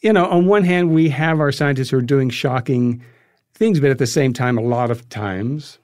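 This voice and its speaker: A man speaks as an interview guest, recounting anecdotes in a conversational way. His voice sits at a middling pitch and he pauses and restarts as he works through his thoughts. The sound is dry, with very little room. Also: a little mellow, dry recording.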